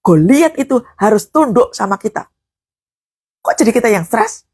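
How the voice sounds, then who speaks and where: A woman's voice: fairly high pitch, lively intonation, moderate pace, darkish tone, husky, dry recording. A woman preacher giving a sermon in a conversational, folksy way, moving between teaching and fervent prayer.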